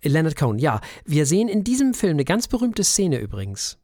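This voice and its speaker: A man's voice: a little high, huge pitch swings, brisk, darkish tone, dry recording. Wry man co-host, dry close sound. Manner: wry, joking, trails off mid-sentence. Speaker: podcast co-host. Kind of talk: casual chat.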